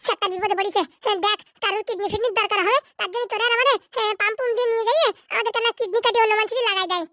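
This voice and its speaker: Voice artist as squeaky, fast-talking, suspicious cartoon drunk. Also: pushed and bright, dry recording, full character voice. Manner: grumbling, crude, pessimistic. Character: cynical suspicious young male drinking buddy.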